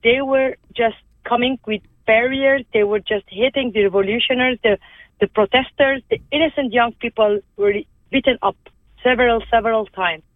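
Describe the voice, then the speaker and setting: A woman's voice: fairly high pitch, dry recording. Woman over a phone line. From Lebanon. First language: Armenian. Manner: earnest, halting, with many restarts. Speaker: guest. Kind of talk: conversational interview.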